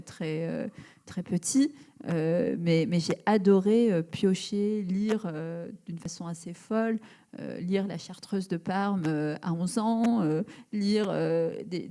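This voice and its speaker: A woman's voice: on the low side, dark tone. A woman in her thirties from Algeria, a writer answering questions in a live public interview, searching for words with many fillers and restarts. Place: event hall before an audience.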